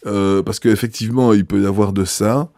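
A man with a low, mellow voice answers interview questions as a bishop. He speaks in a measured, hesitant way, full of fillers and restarts. The recording is dry and close. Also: fairly even intonation, dry recording.

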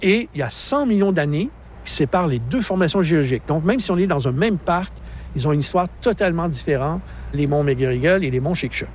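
A man's voice: fairly high pitch, expressive, a little fast, a little mellow, a little hiss or hum. A man in his sixties, a park naturalist from Quebec, explaining mountains and wildlife in a radio interview outdoors. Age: 60s.

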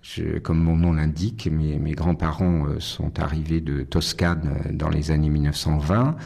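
A middle-aged man from Nice, a concert pianist, answering interview questions thoughtfully with many pauses and restarts. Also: rumbling low, level tone, vocal fry, darkish tone, breathy edge. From Nice, France.

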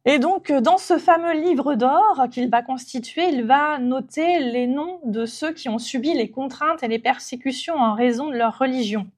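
A woman giving an unscripted guided presentation, pausing often with filler sounds as she explains. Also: high-pitched. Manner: hesitant, frequent filler pauses.

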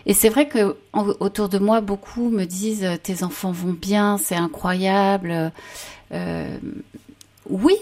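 A woman's voice: medium pitch, fairly even intonation, slow, a little mellow. A woman, a mother, speaking earnestly about faith and suffering as a panel guest, reflective and often trailing off. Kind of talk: personal faith testimony in conversation.

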